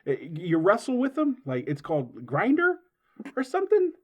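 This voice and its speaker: A man's voice: high-pitched, wildly swooping pitch, moderate pace, muffled recording. A man co-hosting a casual podcast chat, teasing and joking as he asks questions. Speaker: podcast co-host.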